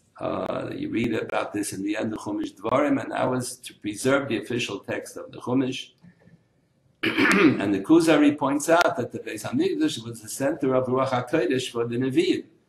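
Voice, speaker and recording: Audible room echo surrounds a man whose loudness swings widely. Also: moderate pace. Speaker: rabbi teaching. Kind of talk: short lecture. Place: office. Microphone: webcam.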